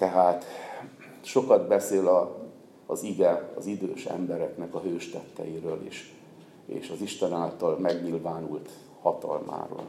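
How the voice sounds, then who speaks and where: Audible room echo surrounds a man who speaks at a very slow pace. His loudness swings widely, with long, frequent pauses. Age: old. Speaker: pastor. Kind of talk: sermon. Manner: halting.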